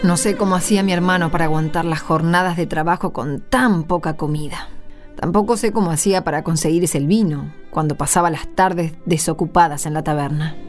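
A woman's voice: deep voice, fairly quick, lightly acted. An actress playing a village woman who tells her memories in a radio drama, intimate and reflective. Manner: intimate, reflective, repeats phrases. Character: older Galilean village woman recalling her hard youth. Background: string music.

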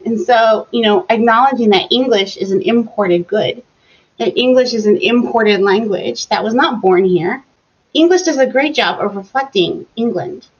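A woman answering interview questions as an educator, speaking slowly and deliberately as she explains. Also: on the high side, breathy edge. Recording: muffled lo-fi sound.

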